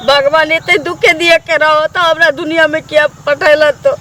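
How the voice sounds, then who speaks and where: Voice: high-pitched, moderate pace, sharp tone, slight background noise. An actor playing a lamenting Maithili village widow. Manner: wailing, plaintive lament. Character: young grieving widow thrown out by in-laws. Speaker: widow in comedy skit. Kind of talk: comic village sketch acting.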